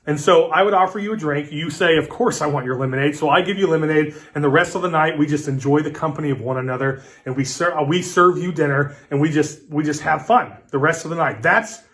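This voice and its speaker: A man's voice: on the high side, a little fast, hardly any pauses. Casual man giving a devotional sermon. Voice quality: conversational, storytelling delivery with acted-out dialogue. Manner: relaxed, folksy preaching with fillers like "like" and "listen". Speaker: pastor.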